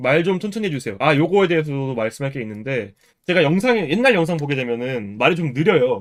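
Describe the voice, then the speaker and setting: A man at a very fast pace, fairly high in pitch, with very wide pitch swings. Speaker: magician and YouTuber selling magic products. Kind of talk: casual vlog talk reading comments. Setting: seated at camera, home video. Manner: varied pitch, pauses to breathe.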